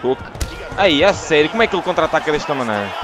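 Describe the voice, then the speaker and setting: Animated Portuguese man gaming, swinging pitch. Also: fast talker. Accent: European Portuguese. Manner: animated, swings from yelling to groaning. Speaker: gaming YouTuber. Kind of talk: excited gameplay commentary.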